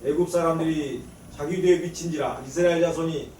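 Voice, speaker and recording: A man from the congregation reading scripture aloud at a steady pace. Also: fairly high pitch, brisk. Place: church sanctuary. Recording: echoey church from far off, faint noise.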